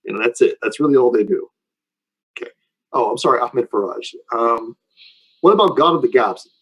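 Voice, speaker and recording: A man's voice: medium pitch, lively intonation, normal speed, husky, dull audio. A man lecturing informally and taking questions, explaining in a conversational way and often checking that listeners follow.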